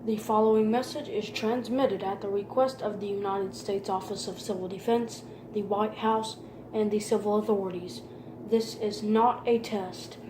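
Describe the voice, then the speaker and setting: A woman's voice: mid-range voice, moderate pace. A woman reading a scripted emergency broadcast announcement in a formal, impersonal manner. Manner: formal, impersonal, flat delivery. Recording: roomy echo with faint background noise.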